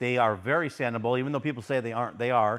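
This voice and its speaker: The man's pitch sits in the medium range. He speaks at a very fast pace. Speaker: auto body shop owner. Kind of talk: tutorial. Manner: casual, conversational.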